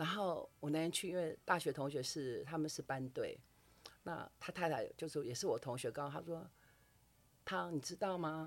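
This woman has an ordinary speaking voice at a fairly low pitch. She talks at a moderate pace with ordinary pitch variation. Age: 60s. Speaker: factory owner and club president. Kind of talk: interview testimony.

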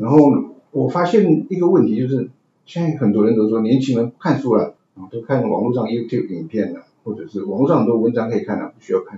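Talking very fast with a Malaysian accent, a man at a medium pitch sounds somewhat breathy, his intonation lively and his loudness swinging widely. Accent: noticeable Malaysian Chinese. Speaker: publisher and editor-in-chief. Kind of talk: interview conversation.

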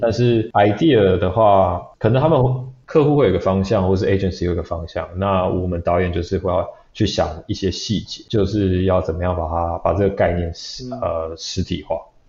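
This man has a very deep, low pitch with ordinary variation, a moderate pace and a somewhat breathy sound. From Taiwan. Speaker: visual effects artist. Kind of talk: casual interview.

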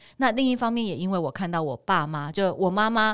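In a very clean recording with a silent background, a woman talks at a fairly quick pace in a plain, everyday voice with lively intonation. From southern Taiwan. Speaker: author and business consultant. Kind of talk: podcast interview.

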